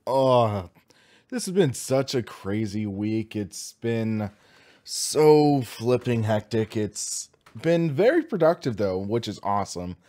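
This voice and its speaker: An American man in his twenties with a slightly hoarse voice, chatting casually and enthusiastically as he hosts a gaming livestream. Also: lowish voice, expressive, slow, warm tone. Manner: upbeat, enthusiastic, informal. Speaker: host of a sim racing livestream.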